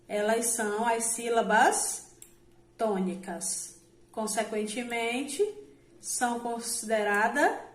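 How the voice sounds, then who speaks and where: A woman's voice: on the high side, reverberant. A woman teaching a recorded grammar lesson to adult learners, explaining patiently and often checking in with "né?". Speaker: Portuguese teacher.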